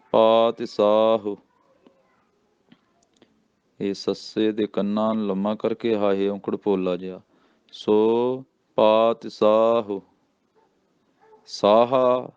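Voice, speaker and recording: A man with a Punjabi accent teaching Sikh scripture recitation, chanting verses slowly and then explaining how to pronounce them. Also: on the low side, a little mellow, smooth, dry recording, lo-fi sound. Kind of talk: slow scripture recitation with pronunciation lesson.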